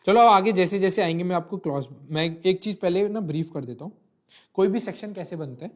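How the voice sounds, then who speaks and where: A man's voice: high voice, brisk. Man teaching law, repetitive and explanatory. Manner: explanatory, repeats phrases and checks with "thik hai"; mixes English legal terms into Hindi. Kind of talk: online lecture walking through a legal text.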